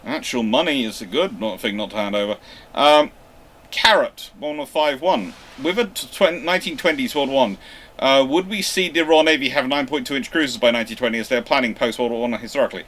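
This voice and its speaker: Host, male, mid-pitched, live Q&A, hesitant and filler-heavy. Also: fairly quick, a bit bright. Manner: hesitant, many fillers and restarts. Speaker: naval history channel host. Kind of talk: live Q&A, reading and answering viewer questions.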